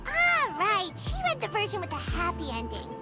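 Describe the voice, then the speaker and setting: A woman voicing a tiny, excitable female fairy companion who talks about herself in the third person, in a game. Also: very high-pitched, normal speed, exaggerated voice. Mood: chirpy. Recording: game audio with loud music.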